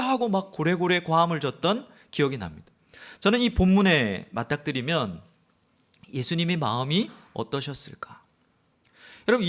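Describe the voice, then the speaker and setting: A man preaching a sermon as pastor, with a Busan accent, swinging between loud dramatic quotes and low quiet asides. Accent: Busan Gyeongsang Korean.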